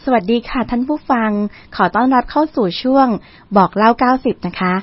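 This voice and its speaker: A woman's voice: on the high side, brisk, breathy edge, no room sound. Chatty woman radio host, lo-fi. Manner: chatty, polite, ends phrases with soft particles. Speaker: university lecturer hosting a radio segment. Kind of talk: radio talk, storytelling. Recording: dull lo-fi radio sound.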